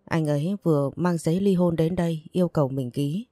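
A woman's voice: sits low, a little fast, dark tone, no echo, studio quality, close to an everyday voice. A woman reading an audiobook and voicing a heartbroken young wife, choked and self-blaming. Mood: grieving.

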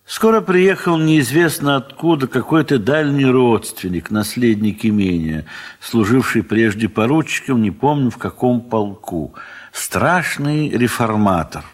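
A man narrating a literary audio play in an expressive, measured theatrical manner with deliberate pauses. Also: mid-range voice. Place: recording studio.

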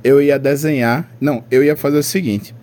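A man's voice: medium pitch, steady tone, moderate pace, a little mellow. A man in his twenties with a Brazilian Portuguese accent, co-hosting a podcast in casual chat, rambling and slangy with frequent laughs. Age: 20s. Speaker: podcast co-host.

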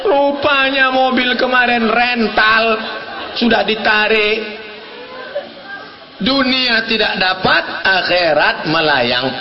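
A man giving a humorous sermon, telling stories and acting out dialogue, with laughs and sudden shouts. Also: very high voice, slow, lo-fi sound, a faint crowd. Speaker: preacher.

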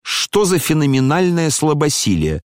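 A man voicing a coarse, mocking man in an audiobook, jeering loudly. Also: a little high, big pitch swings, moderate pace, no echo, studio quality, pitched above the performer's own voice. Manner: loud, jeering.

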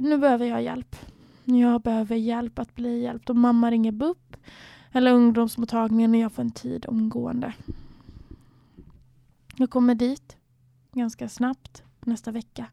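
A woman's voice: fairly high pitch, creaky, darkish tone, dry recording, clean studio sound. A young woman from Sweden, candidly telling her own story in a reflective way, sometimes dropping to near a whisper. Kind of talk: personal storytelling.

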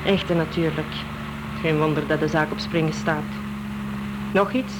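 An actor playing a cold, commanding accomplice in a radio play, giving terse, clipped orders over loud engine noise. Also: male voice, a little high, steady tone, a little slow, lightly acted. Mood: curt, controlling. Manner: clipped, controlling, curt.

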